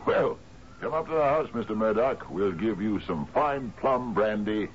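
A man's voice: lowish voice, animated, normal speed, lightly acted. An actor playing a lordly, exuberant old sea captain in a radio drama, hearty and musing, repeating his phrases. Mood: hearty welcoming. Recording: dull, hissy old radio broadcast recording.

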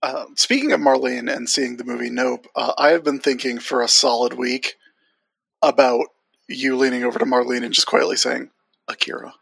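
A man's voice: medium pitch, normal speed, gravelly, slightly rough, no room sound. A man co-hosting a casual podcast, joking around and swearing casually. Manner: animated, jokey, swears casually. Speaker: podcast co-host. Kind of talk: casual chat.

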